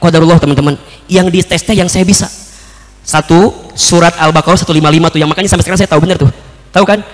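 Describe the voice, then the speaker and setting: A man's voice: a little high, quick pace. A man with a Sundanese accent, preaching as an Islamic preacher in a playful storytelling sermon, acting out the dialogue. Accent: Sundanese-accented Indonesian. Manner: animated, acts out dialogue, playful. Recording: reverberant hall.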